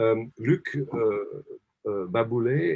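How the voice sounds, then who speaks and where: In a French accent, a man talks at a fairly slow pace with a dark, mellow tone. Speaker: academic, architecture lecturer. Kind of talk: event introduction. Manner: halting, many fillers.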